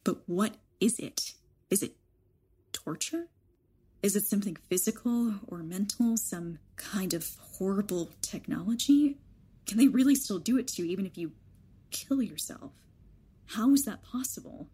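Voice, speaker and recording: A woman's voice: medium pitch, moderate pace, warm tone, breathy edge. A woman playing a defiant, blunt rejuvenated elder in a young body in an audio drama. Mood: agitated, questioning. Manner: guarded, sardonic, blunt.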